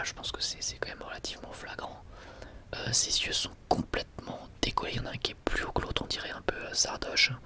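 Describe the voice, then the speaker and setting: A man whispering informally and a little hesitantly to his viewers as an ASMR host, in a breathy, unvoiced whisper. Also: pushed and bright. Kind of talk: whispered ASMR, casual product review.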